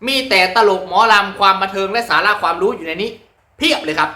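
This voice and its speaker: A playful, chatty man with an Isan accent hosts his channel as a mor lam comedian and shows off regional ways of speaking. His tone is bright and forceful. The room around him rings with echo. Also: high voice, fast talker, a little hiss or hum. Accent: Isan (Northeastern Thai). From Nakhon Phanom, Northeast Thailand. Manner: chatty, playful and self-teasing. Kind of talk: casual demonstration of regional dialects.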